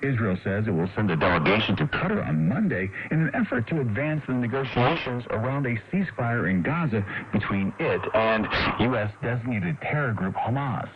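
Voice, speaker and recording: A man with an American accent anchors a scripted radio news bulletin in a formal, measured announcer delivery. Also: mid-range voice, big pitch swings, breathy edge. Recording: noisy narrowband shortwave radio broadcast.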